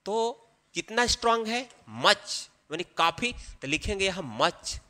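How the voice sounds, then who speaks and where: A male teacher delivers a grammar lesson in a high, bright voice with lively intonation and wide pitch swings. He walks through each step slowly and explanatorily, often checking that his students are keeping up. A long, ringing reverb fills the sound.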